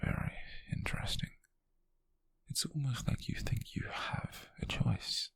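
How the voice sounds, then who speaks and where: A British man playing a possessive, wealthy young yandere in an ASMR roleplay, coaxing haltingly in a breathy, husky whisper with soft menace. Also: no room sound, lightly acted.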